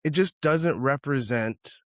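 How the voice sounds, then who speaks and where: A man's voice: mid-range voice, measured pace, no echo, clean studio sound. A man co-hosting a podcast, talking casually and rambling through his thoughts, often checking in with "right?". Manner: rambling, with many restarts and "right?". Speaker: podcast co-host. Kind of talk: casual conversational podcast chat.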